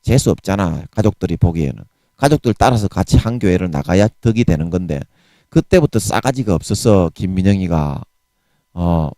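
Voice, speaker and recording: A man's voice: sits low, expressive, normal speed, warm tone, dry recording. A man in his forties with a Gyeongsang Korean accent, preaching a sermon in a fiery, blunt way laced with harsh curses. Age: 40s.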